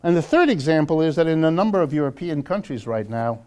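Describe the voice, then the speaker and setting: A man's voice: a little high, very animated, quick pace, a little mellow, clean tone. Wry American man giving a lecture. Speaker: lecturer hosting a monthly public talk. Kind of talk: extemporaneous political lecture to a live audience.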